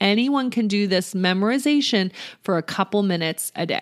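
A woman's normal speaking voice at a moderate pace, lively in intonation, on a very clean recording with a silent background. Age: 40s. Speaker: homeschool podcast host. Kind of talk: casual monologue, tutorial. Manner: conversational, warm.

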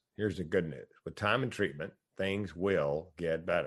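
Someone with an American accent talks at a fairly quick pace with ordinary pitch variation against a quiet background. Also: man. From US South. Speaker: comedian and suicide prevention speaker. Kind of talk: casual interview chat.

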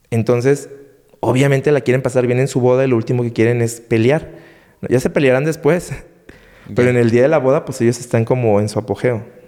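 A man speaks at a fairly quick pace in a dark, mellow tone. His medium pitch stays fairly even. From Veracruz port, Mexico. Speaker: wedding planner. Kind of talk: casual storytelling interview.

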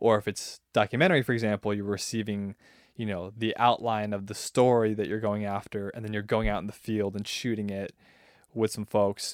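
Recorded very cleanly against a silent background, the sound is dry and close with no echo. A man with an American accent talks at a fairly quick pace. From Southern California (San Bernardino). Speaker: TV producer and showrunner. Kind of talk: interview. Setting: studio.

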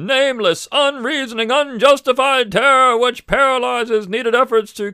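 On a very clean recording with a silent background, a man uses a raised, projected voice at an extremely high pitch, with a bright, sharp tone, ordinary pitch variation and a moderate pace. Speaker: history professor and podcast host. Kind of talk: reading aloud a historic speech, then commentary and lecture. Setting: solo podcast recording.

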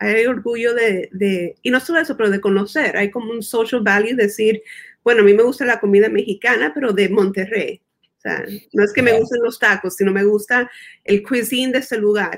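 Here a woman talks at a moderate pace. Her fairly high voice shows ordinary pitch variation. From Miami, US (Puerto Rican and Cuban family). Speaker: advertising strategist. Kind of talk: interview. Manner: halting, many repeated words.

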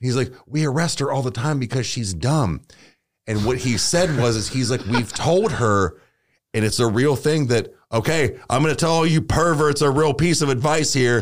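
At a moderate pace and medium pitch, a man speaks in a normal speaking voice with very even loudness, in a very clean recording with a silent background. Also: ordinary pitch variation. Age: 30s. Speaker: podcast co-host. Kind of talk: casual chat. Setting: studio.

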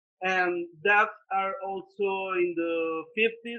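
A man speaks in an Italian accent. His pitch is high and his intonation fairly even. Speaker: interview guest. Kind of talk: interview. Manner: halting.

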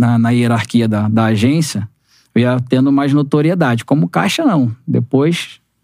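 Speaking at a fairly slow pace, a man with a Carioca accent keeps a medium pitch. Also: ordinary pitch variation, dry, close sound with no echo. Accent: carioca Brazilian Portuguese. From Rio de Janeiro, Brazil. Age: 40s. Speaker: footvolley player. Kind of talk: casual interview chat. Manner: informal, slangy.

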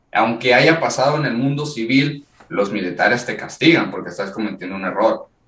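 With a Mexican accent, a man of medium pitch talks at a fairly quick pace with lively intonation. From Mexico. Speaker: marine. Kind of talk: casual chat.

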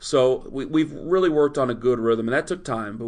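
A man's ordinary speaking voice with ordinary pitch variation. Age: 30s. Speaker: sports radio host. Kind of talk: casual chat.

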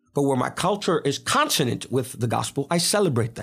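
On a very clean recording with a silent background, a man talks at a very fast pace with an American accent. His voice is fairly high, somewhat breathy and lively in intonation. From New Jersey, US. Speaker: pastor. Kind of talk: interview.

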